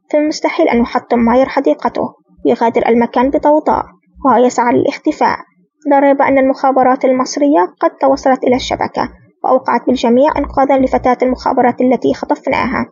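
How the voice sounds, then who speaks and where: A woman's voice: high voice, dark tone, husky, no room sound. A woman reading the lines of a sly, sarcastic male hitman in an audiobook, voiced close to her own tone. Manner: sneering, sarcastic. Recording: dull lo-fi dry recording.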